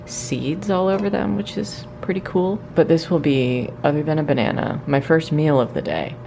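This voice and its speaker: Young woman vlogger with a creaky voice. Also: low voice, animated, moderate pace, background noise. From Georgia, United States. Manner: informal, giggly storytelling. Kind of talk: casual chatty vlog.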